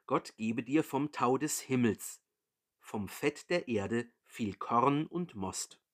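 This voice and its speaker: A man voicing an old blind father who gives a solemn, measured blessing. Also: mid-range voice, expressive.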